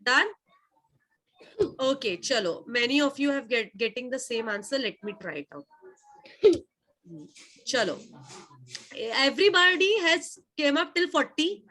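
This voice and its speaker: A woman's voice: high-pitched, animated, a little slow, long pauses, sharp tone, low-quality recording. A woman with a South Asian accent teaching an interactive maths lesson online, repeating her questions insistently to pupils.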